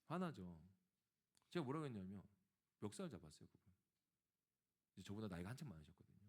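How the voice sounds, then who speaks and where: Male pastor, lively pitch, storytelling sermon that addresses the congregation. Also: quick pace. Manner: animated storytelling, acting out dialogue; speaks directly to the congregation.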